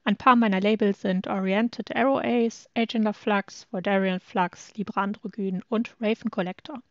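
A woman in her twenties co-hosts a chatty podcast, her voice carrying a gravelly fry. The sound is dry and a little dull, like a home podcast mic. She speaks in an even, measured way. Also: medium pitch, dry recording. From Germany. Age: 20s. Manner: reads content notes in a measured way. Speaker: podcast co-host. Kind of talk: casual podcast chat.

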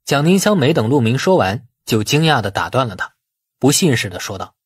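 Expressive male audiobook narrator, slightly husky. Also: mid-range voice, fairly quick, dry recording, clean studio sound. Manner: expressive storytelling, acting out dialogue. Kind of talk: dramatic scripted narration of a novel.

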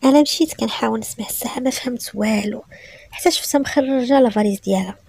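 Fast, gravelly Moroccan woman storyteller. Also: on the high side, mellow. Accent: Moroccan Arabic. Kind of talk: first-person story narration.

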